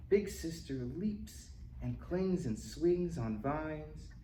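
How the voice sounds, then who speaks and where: At a library storytime, a man with a middle-pitched voice gives an animated read-aloud for young children, slowly and with lively, swooping intonation. He acts out animal sounds and exclamations and chats playfully with his listeners, in an echoey room with a little background noise.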